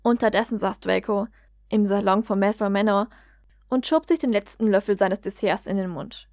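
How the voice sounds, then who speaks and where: A woman's voice: mid-range voice, moderate pace, darkish tone, dry recording. Woman narrating a story, dry dull sound. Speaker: fan fiction reader. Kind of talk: read-aloud story narration.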